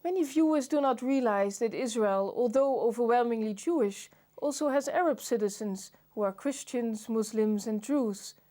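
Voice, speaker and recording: A woman hosting an interview, reading a formal introduction and asking measured questions. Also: on the high side, mellow. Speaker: host.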